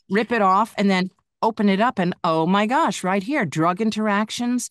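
A woman with a plain, everyday voice speaks at a moderate pace and a medium pitch with ordinary pitch variation, the sound dry and close with no echo against a quiet background. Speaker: medical narration voice actor and teacher. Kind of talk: casual chat. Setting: video podcast, drinking together.

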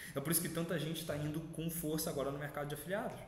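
A man with a Rio de Janeiro accent speaks at a fairly quick pace. Noticeable background noise and audible room echo are heard. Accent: carioca. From Rio de Janeiro, Brazil. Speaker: youtuber and business coach. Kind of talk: casual monologue.

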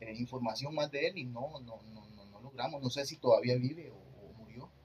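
A man speaks at a fairly slow pace. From Costa Rica, Nicoya (Guanacaste). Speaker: violin teacher and musician. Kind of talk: interview, personal life story. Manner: halting, many repetitions.

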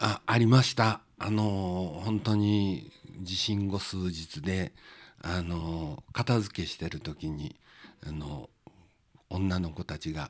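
At a very slow pace, a man with a very deep, low pitch speaks with ordinary pitch variation. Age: 50s. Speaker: vintage clothing shop owner and animal rescue volunteer. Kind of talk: podcast interview.

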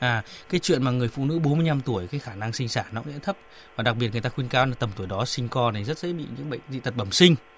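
Speaking at a very fast pace, a man with a somewhat breathy, medium-pitched voice shows ordinary pitch variation. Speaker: doctor. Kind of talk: radio call-in advice. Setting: radio studio.

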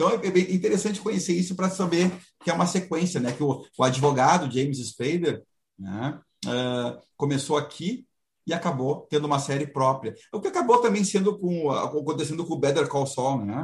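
Lively intonation colors a man's an ordinary speaking voice. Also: fairly high pitch for a man, moderate pace. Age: 40s. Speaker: lawyer and film enthusiast. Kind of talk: casual chat.

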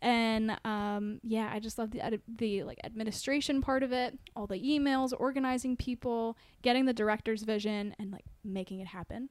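A woman with an American accent in a normal speaking voice, fairly high in pitch, with fairly even intonation and a moderate pace. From Connecticut. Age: 20s. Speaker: podcast host and wedding photographer. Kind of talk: casual chat.

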